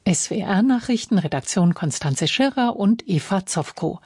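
A woman reading the radio news in a measured, formal way. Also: mid-range voice, breathy edge. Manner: measured, even, formal delivery. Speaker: newsreader. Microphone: studio microphone.

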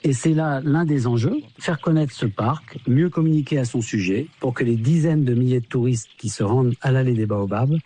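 A man researcher explains his work in a relaxed, conversational way. His voice is mellow and a little husky. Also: medium pitch, normal speed, hardly any pauses. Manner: conversational, with tag words. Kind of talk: interview.

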